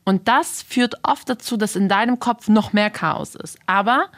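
A young woman co-hosting a podcast in casual chat, reflective and musing, stretching some phrases slowly as she thinks aloud. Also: medium pitch, fairly bright tone, no room sound, studio quality. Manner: reflective, drawn-out, self-described overthinker. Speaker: podcast co-host.

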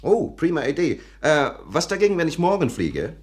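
An actor playing a wisecracking hard-boiled investigator, wry, slangy and offhand, in a radio crime drama. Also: male voice, a little high, huge pitch swings, normal speed, noisy background. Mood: flippant.

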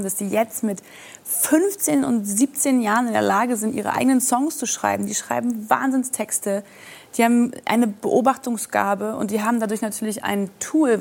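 A woman's voice: mid-range voice, darkish tone. Reflective woman talk-show guest. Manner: earnest, reflective, searching for words. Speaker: guest singer.

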